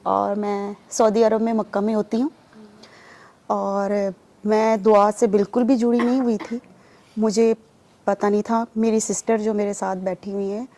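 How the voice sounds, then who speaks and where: A woman giving a personal testimony in an interview, telling her story in a lively way and acting out the remembered dialogue. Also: mid-range voice, unhurried. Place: lives in Saudi Arabia.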